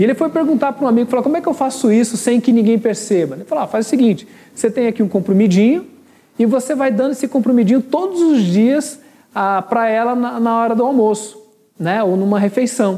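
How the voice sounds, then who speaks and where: Talking at a very fast pace, a man has an extremely high pitch with ordinary variation. His tone is dark and mellow. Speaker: pastor. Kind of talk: sermon. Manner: halting.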